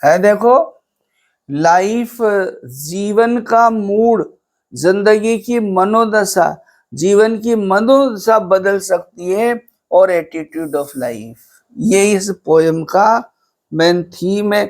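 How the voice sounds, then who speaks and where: An Indian male English teacher giving a lecture, explaining step by step, asking his own questions and answering them, and slowing down on English phrases. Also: high voice. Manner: slows right down on English phrases, mixing Hindi and English. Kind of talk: classroom lecture on a poem.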